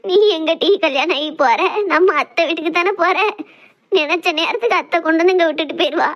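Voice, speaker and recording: A woman's voice: extremely high pitch, fairly quick, highs cut off. A woman voicing a fretting village mother, who consoles her family in a soothing way. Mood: consoling.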